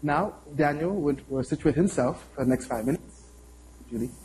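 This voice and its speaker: A man moderating a university panel, briskly thanking one speaker and handing over to the next. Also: fairly high pitch, a little mellow, slight background noise, rough recording.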